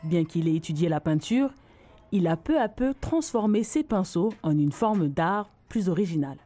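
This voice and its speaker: Female reporter, lowish mellow voice, calm scripted narration. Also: moderate pace, faint music behind. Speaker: news reporter.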